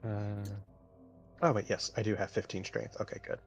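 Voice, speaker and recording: A man playing a tabletop game, speaking low-key and half muttering. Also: little pitch movement, moderate pace, creaky, no room sound, faint music behind. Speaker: player.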